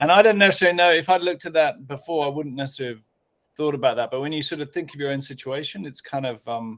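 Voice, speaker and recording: A man with a fairly high pitch talks at a very fast pace. His loudness swings widely while his pitch varies in an ordinary way. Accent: English. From England. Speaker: client. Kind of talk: casual chat. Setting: video call.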